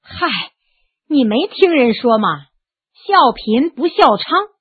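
A woman's voice: high-pitched, animated, takes it slowly. A woman voicing a shrewd, aging brothel madam in a storybook reading, sighing and worldly, tough under the weariness. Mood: defiant. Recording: tinny narrow phone-like sound, dry.

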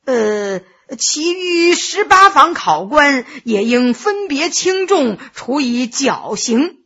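A man's voice: very high-pitched, big pitch swings, slow, sharp tone, highs cut off, exaggerated voice. A woman voicing a nervous court official who answers the throne hesitantly and with deference. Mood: fearful. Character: nervous middle-aged male court official.

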